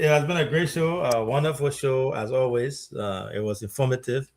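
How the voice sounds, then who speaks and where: A man hosting a live-streamed talk show, joking with his guests and thanking them warmly. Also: mid-range voice, slight background noise. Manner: jovial, thanks guests, banters. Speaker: show host.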